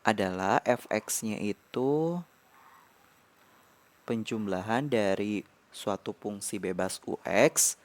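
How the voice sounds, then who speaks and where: Male tutor, lowish voice, unhurried measured lesson delivery. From Indonesia. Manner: measured, pauses between short phrases. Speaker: math tutor. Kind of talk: slow explanatory lecture.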